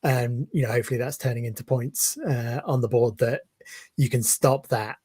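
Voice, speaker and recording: A man with a faintly husky voice, recorded close and dry. He talks football in a measured, thoughtful way, stopping often with ums and uhs as he lines up his points. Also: medium pitch, dark tone, dry recording. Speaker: guest, football fan page creator. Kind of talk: casual interview chat.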